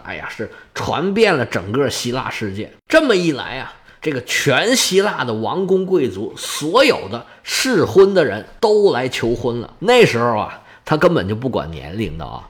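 A man telling a story in a casual, chatty narration, animated and full of drawn-out particles. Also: medium pitch.

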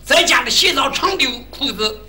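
A man spins a comic crosstalk tale as a blustering country bumpkin, tripping over his words. His voice sits very high and rings sharp and bright. It swoops up and down as he tells it. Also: animated, moderate pace. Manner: playing a blustering country bumpkin, stammering restarts. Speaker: lead comedian in a crosstalk duo.

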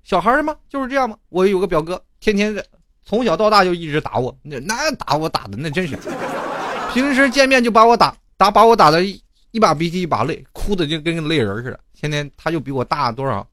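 Animated man ranting comically. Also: a little high, fast talker, slight background noise. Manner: rhetorical asides, chuckling while telling stories. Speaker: host. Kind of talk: comedic monologue.

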